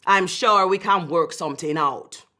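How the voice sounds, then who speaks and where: A woman voicing a cross, indignant male landlord in a storybook, with exasperated, forceful questioning. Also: on the low side, measured pace. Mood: conciliatory.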